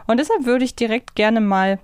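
A woman co-hosts a podcast in a casual, conversational way. Her voice is smooth and clear, and it sounds dry, with almost no room around it. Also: on the high side, normal speed, darkish tone, no room sound. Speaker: podcast co-host. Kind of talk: casual chat with a co-host.

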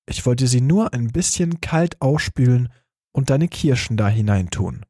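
A gentle, helpless father, as a male reader does him, soothing and apologetic in slow, husky speech. The sound is close and dry, like a storybook recording. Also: mid-range voice, dry recording, exaggerated voice. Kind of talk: audiobook reading.

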